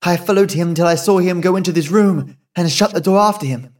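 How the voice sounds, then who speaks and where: A man's voice: high-pitched, fairly quick, far from the mic, lightly acted. A male narrator voicing an anxious young woman who pleads and describes a ghost. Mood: frightened. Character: frightened young woman, the daughter.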